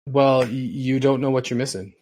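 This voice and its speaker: A man's voice: mid-range voice, normal speed, darkish tone. Forties guy hosting a podcast, rambles on with long stories, regular mid voice. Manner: rambling storyteller. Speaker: podcast host. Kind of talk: casual chat.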